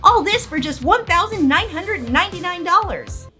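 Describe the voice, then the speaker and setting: Woman doing an animated, high-pitched infomercial announcer. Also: soft background music, heavily acted. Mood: excited, salesy. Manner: exaggerated salesy delivery with drawn-out emphasis. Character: over-excited, cheesy infomercial announcer selling art supplies.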